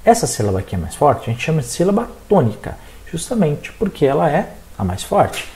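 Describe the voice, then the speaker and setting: A Brazilian teacher with a Brazilian accent leads a recorded exam-prep lesson, speaking directly to the students and often checking that they follow. The voice is mellow and darker in tone. The pitch rises and falls a lot, keeping the explanation lively. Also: brisk. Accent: Brazilian Portuguese. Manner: animated, addresses students directly, checks in with frequent "tá?".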